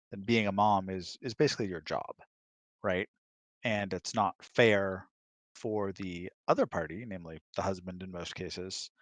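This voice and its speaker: Low-voiced man in casual conversation. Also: no echo. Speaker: guest, husband of the host. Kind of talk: casual chat.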